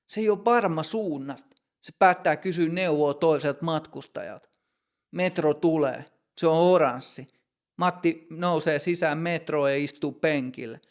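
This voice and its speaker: A male teacher reads vocabulary and a simple story in a slow, deliberate way. His voice is fairly high and has a gravelly, creaky texture. He sounds like a scripted narrator in a language lesson. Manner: clear, deliberate reading.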